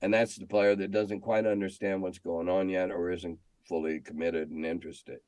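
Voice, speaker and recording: A man's voice: deep voice, little pitch movement, moderate pace, darkish tone, dry recording, studio quality. An older American man answering in a conversational interview, telling stories and stressing his opinions with emphatic repetition. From United States. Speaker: interview guest, veteran game designer and editor.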